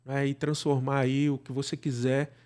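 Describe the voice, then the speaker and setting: A man's voice: mid-range voice, level tone, brisk, darkish tone. A middle-aged man with a Brazilian accent chatting casually as a podcast guest, rambling and often checking in with little tag questions. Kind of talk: casual conversation.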